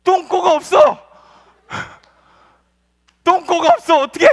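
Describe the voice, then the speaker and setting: A man voicing panicked little poop blobs trapped in a belly, shouting shrilly for help as if from a storybook. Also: very high-pitched, fast talker, long reverb tail, pitched above the performer's own voice. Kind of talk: storybook voice in a sermon.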